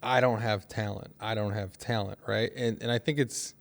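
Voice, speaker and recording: A man's voice: lowish voice, fairly even intonation, moderate pace, creaky, heavy background noise. A man talking casually on a podcast panel, earnest and emphatic. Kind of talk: casual conversation.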